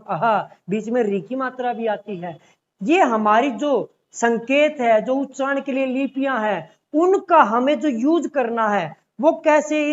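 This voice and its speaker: A man's voice: extremely high pitch, dull audio. A man teaching an exam-prep language class, explaining step by step and repeatedly calling his students "beta".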